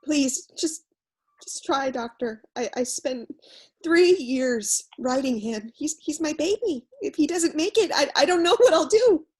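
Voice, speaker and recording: A woman acting as a desperate playwright in a comedy sketch, her voice fairly high. She is hesitant and anxious, pleading with melodramatic feeling. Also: expressive, a little slow. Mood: distraught pleading. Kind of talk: comedy sketch staged reading.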